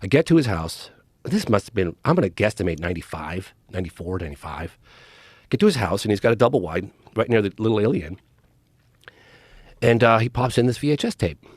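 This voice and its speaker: Animated middle-aged man telling a story. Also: on the low side, fairly quick, slightly rough, dry recording. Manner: animated, acts out quoted dialogue. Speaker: documentary filmmaker guest. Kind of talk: casual storytelling in a podcast interview.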